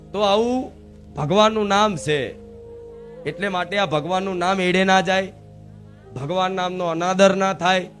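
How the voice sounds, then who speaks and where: A woman guru delivering a devotional sermon, emphatic and full of rhetorical questions, at times rising to shouts. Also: on the low side.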